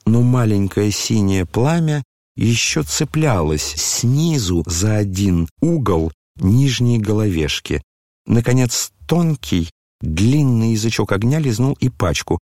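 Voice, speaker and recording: A man with a lowish voice narrates a classic novel for an audiobook, keeping a steady, measured storytelling style. The sound is studio quality with no echo.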